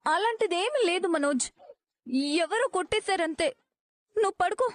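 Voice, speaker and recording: An actress playing a guilty young wife in a TV serial, who pleads frantically in a high voice and dodges questions nervously. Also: female voice, expressive, normal speed, no echo. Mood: nervous evasive. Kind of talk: TV serial acting.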